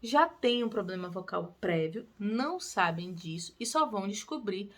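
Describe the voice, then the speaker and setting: A young adult woman, a singing teacher giving casual advice to camera in a lively, encouraging way. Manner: lively and encouraging, with quick pitch lifts on emphasis. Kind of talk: casual tutorial talk to camera.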